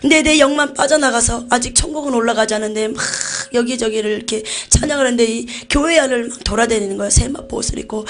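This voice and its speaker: A woman pastor with a Jeolla Korean accent delivers an emotional testimony to her congregation. Her voice sits on the higher side. She swings between hushed, whispered passages and fervent, shouted exclamations.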